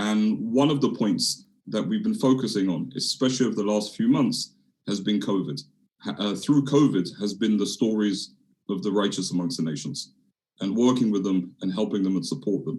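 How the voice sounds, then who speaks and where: A man with a strong British accent, fairly low pitch, vocal fry, lively intonation and a moderate pace. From London, England. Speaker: foundation founder. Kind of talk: video call interview.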